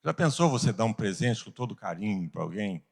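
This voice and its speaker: A man with a Brazilian Portuguese accent teaching a Bible class, earnest, asking rhetorical questions and pausing for emphasis. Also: on the low side, sing-song, vocal fry. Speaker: Sunday school teacher.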